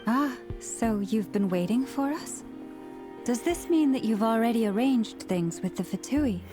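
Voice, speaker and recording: Casting: calm game priestess, formal and measured, fairly high voice. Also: female voice, music in the background. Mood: calm inquiry. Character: serene, formal young priestess. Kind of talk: video game voice acting.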